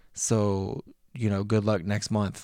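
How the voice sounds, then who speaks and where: A dark, mellow tone comes through in a monotone, flat intonation on a very clean recording with a silent background. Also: man. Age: 30s. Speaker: podcast host. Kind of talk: casual solo movie review. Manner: casual, filler-heavy.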